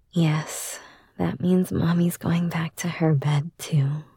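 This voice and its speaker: A woman whispering softly and soothingly in an ASMR roleplay, close to the microphone. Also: fairly low pitch, slightly rough, no room sound.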